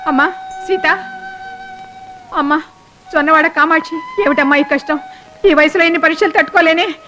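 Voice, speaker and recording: An actress playing a fiery, sharp-tongued old grandmother who scolds and mocks in rapid bursts. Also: high voice, fairly even intonation, over music, lightly acted. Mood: anxious. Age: older. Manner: scolding, mocking, rapid-fire insults. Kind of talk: film comedy acting.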